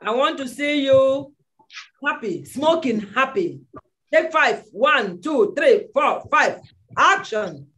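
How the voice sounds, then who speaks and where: Speaking slowly but with animation, a Nigerian-accented woman uses her high, fairly bright voice to give commanding instructions and repeat her orders to students in an online audition class. She's in an indoor room, heard through a video call microphone.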